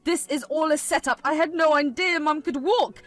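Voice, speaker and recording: A woman's voice: sits high, normal speed, faint music behind, lightly acted. Woman voicing a firm frustrated husband. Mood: pleading.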